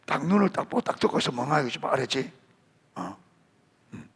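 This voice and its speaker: A man's voice: medium pitch, moderate pace, vocal fry, slightly rough. A middle-aged male pastor preaching a sermon, quizzing the congregation and calling on children by name. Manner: animated, rising emphasis on scripture.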